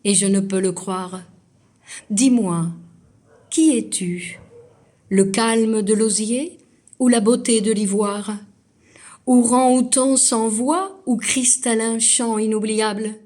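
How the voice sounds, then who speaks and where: Slow-paced woman reciting poetry. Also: fairly high pitch, steady tone, darkish tone. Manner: measured, deliberate phrasing with pauses. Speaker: poetry reader. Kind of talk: dramatic literary poetry recitation.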